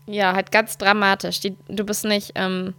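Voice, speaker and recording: A woman's voice: medium pitch, level tone, measured pace, a bit bright. A woman in her thirties chatting casually as a podcast co-host, telling stories candidly and animatedly. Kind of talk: casual chat.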